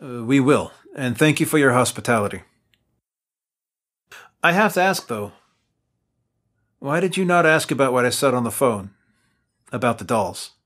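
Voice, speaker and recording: Tense, bright-voiced male investigator played by an actor. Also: medium pitch, animated, moderate pace, pauses often, lightly acted. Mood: guarded, polite. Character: exasperated, earnest male investigator, Adam. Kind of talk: audio drama acting.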